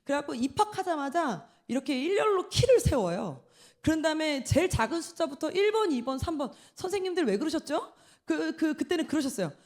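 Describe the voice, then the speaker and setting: A woman's voice: sits high, very animated, brisk, darkish tone. A woman in her forties preaching a sermon in a church, telling stories and acting out the voices she quotes. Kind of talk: sermon at an evening prayer meeting.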